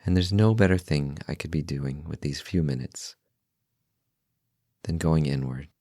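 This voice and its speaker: A man with an extremely low voice guides a meditation, calm and gentle. He speaks in short, unhurried phrases with long pauses between them. The sound is dry and close, with no room around it. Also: no echo. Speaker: meditation guide, podcast host.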